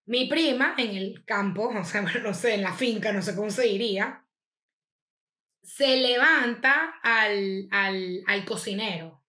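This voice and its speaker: Bright-voiced Venezuelan woman telling a story. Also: medium pitch. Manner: fast, slangy, animated retelling with acted quotes. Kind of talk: casual storytelling chat. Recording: echoey room.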